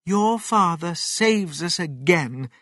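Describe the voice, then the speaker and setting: A storybook narrator voicing a proud, caring mother fox in an expressive, emphatic way. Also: medium pitch, takes it slowly, no room sound, studio quality, pitched above the performer's own voice. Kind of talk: children's storybook character voice.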